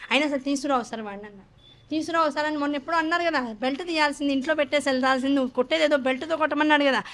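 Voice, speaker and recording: Brief: high-voiced woman speaker, quick and animated, storytelling scripture talk. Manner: animated, conversational storytelling with asides. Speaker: religious discourse speaker. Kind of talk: Hindu scripture discourse with storytelling.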